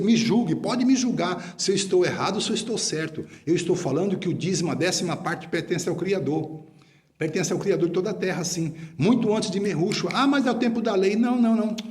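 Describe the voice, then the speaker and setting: A man's voice: fairly high pitch, darkish tone. A man preaching a sermon as an apostle, emphatic and rebuking, repeating phrases for stress.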